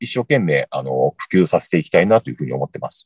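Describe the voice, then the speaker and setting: In a dry, close sound with no echo, a man's voice makes very wide pitch swings. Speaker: tax accountant. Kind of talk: casual interview.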